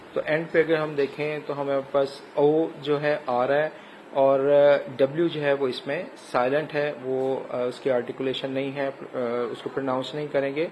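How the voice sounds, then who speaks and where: Man, Pakistani accent, English teacher, recorded lecture, spells words, hesitant pauses, faint noise. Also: fairly high pitch, darkish tone, rough recording. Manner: explains step by step with frequent hesitations, spells words letter by letter.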